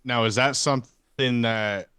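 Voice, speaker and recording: A man playing a tabletop game, casually talking through his next move in deliberate, broken phrases. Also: medium pitch, fairly even intonation, sharp tone, clean tone, dry recording.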